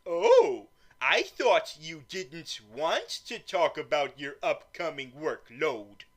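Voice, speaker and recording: A man voicing a gruff, menacing male supervillain who speaks in a threatening, annoyed way. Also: on the high side, very animated, slow pace, voice pushed down. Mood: dry. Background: background music.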